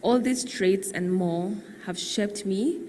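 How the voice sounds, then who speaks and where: A woman reads an earnest eulogy at a slow, measured pace. Her voice trails off into a long reverb over faint background noise. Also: mid-range voice, darkish tone. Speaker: daughter giving a eulogy. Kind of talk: read eulogy.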